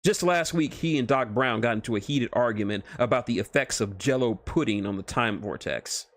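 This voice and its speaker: A man's voice: mid-range voice, moderate pace. A man streaming a read-aloud of fan fiction as narrator, stumbling over words and correcting himself now and then.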